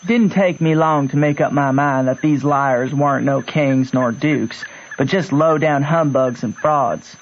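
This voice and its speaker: Man playing folksy Southern boy, fairly high voice. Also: close to an everyday voice. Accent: Southern American. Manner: folksy, matter-of-fact storytelling. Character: shrewd plain-spoken Southern country boy narrator. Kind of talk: radio drama narration. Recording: dull lo-fi radio recording.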